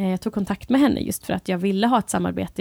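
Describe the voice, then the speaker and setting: A woman's medium-pitched voice, dark and mellow in tone, with fairly even intonation. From Sweden, Jönköping. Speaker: founder of a youth care home. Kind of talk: interview. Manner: laughs loudly and often.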